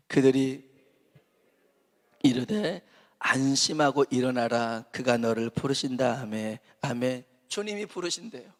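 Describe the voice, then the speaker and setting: A male pastor preaching a sermon in a church, swinging between loud exhortation and quiet asides. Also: a little high. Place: church sanctuary. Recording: long church hall reverb.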